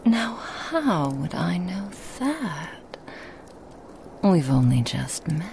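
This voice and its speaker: A woman voicing a seductive, sly female Christmas demon in an ASMR roleplay, whispering softly and teasing. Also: on the low side, sing-song, drawn-out words, gravelly, slight background noise, full character voice. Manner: soft whispering, teasing and insinuating.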